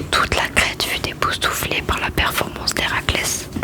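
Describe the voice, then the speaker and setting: Fairly slow whispering over noticeable background noise. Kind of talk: bedtime story reading. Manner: whispered.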